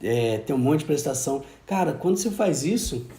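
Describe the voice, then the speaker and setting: A man co-hosting a self-help live talk, speaking in a relaxed, slangy conversational way. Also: medium pitch, a little fast, roomy sound. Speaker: co-host of a self-knowledge live.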